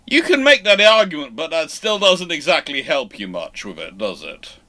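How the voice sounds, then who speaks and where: A man's voice: fairly high pitch, sing-song, normal speed, pushed and bright. A man hosting an informal live history question session, explaining things at length with false starts and self-corrections. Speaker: live show host and naval historian.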